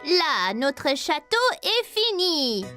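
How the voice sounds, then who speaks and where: A performer voicing an excitable, playful little boy in a children's cartoon. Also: high voice, drawn-out words, soft background music, heavily acted. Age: young child character. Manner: playful, wide-eyed, exclaiming. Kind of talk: cartoon voice acting.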